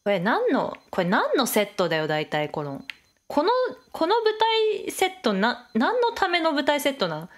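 A woman's voice: a little high, huge pitch swings, normal speed. A young woman giving Let's Play commentary, chatting to herself as she plays, often laughing and reacting with surprise. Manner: chatty self-talk, frequent laughter and surprised exclamations. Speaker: game streamer.

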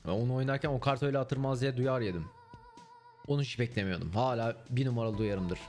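A man's voice: medium pitch, fast talker, a little mellow. A young man, chatting casually with his stream viewers in a blunt, swearing manner. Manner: blunt, swears and mocks freely. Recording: faint music underneath.

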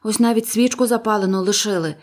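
A woman voicing a rough male pirate crewman, shouting alarmed reports in a storybook reading. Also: medium pitch, steady tone, fast talker, close to an everyday voice.

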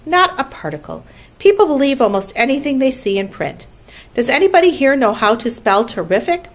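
A woman reading a storybook aloud, voicing a wise, precise female spider who runs a barn meeting in a brisk, tart, schoolmarmish way. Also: sits high, very animated, voice pushed up, exaggerated voice.

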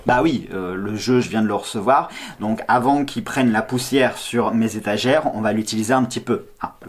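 A man's voice: lowish voice, moderate pace, noisy background. A man in his thirties with a slight slushy lisp, hosting a casual tarot vlog in a playful, self-teasing, digressive way. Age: 30s. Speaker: tarot card reader and video host. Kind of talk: casual chatty vlog to camera. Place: small indoor room, seated at a table.

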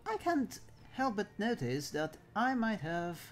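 A man commentates on his own gameplay in a playful let's play, adopting a theatrical, mock-genteel manner and a put-on accent. His voice is high-pitched with big pitch swings and a slightly slow pace, with faint music behind him.

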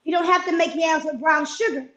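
A woman in her fifties on a video call from her home kitchen, giving healthy eating tips in an energetic, coaching way. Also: very high-pitched, a little fast, echoey room, dull audio. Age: 50s. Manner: energetic, coaching, emphatic repetitions. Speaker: fitness and nutrition guest. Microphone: wireless earbuds on a video call.

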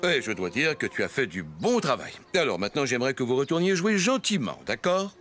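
Kindly grandfather, wildly swooping pitch. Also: big pitch swings, a little fast, soft background music. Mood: calm, reassuring. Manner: gentle, courteous, reassuring. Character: kindly, patient old grandfather. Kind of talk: French children's cartoon dubbing.

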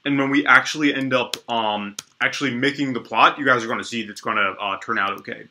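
A young man talks quickly through a screen-recorded coding tutorial at his desk in a small room, with slight background noise. Stuffy and sniffling from allergies, his medium-pitched voice is bright and forward, and he thinks aloud while typing, relaxed but stumbling, restarting and saying um a lot.

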